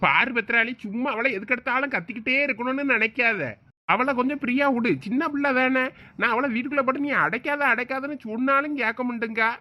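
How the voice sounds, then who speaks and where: A man playing a soft-hearted village father who coaxes and defends his daughter. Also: very high voice, fast talker, full character voice. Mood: coaxing. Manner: coaxing, pleading. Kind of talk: comedy skit acting.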